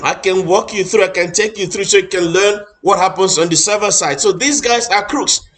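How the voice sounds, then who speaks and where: A man's voice: high voice, normal speed, a bit bright. A middle-aged Nigerian man with a Nigerian English accent, giving impassioned political commentary with emphatic repetition and frequent restarts.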